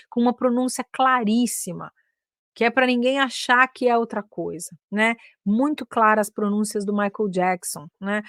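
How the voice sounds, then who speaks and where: A woman's voice: a little high, dry recording, studio quality. A Brazilian woman with a Brazilian accent, giving a casual English lesson and switching between Portuguese and English with lots of "né?" and "ok?" tags. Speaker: English teacher.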